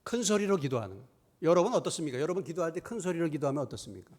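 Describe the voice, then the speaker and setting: A middle-aged man preaches in a church, his voice sitting a little high for a man. He keeps asking rhetorical questions. He drops into near-whispered asides, then rises to loud, emphatic lines. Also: sing-song, racing. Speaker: pastor. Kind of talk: sermon. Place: church sanctuary.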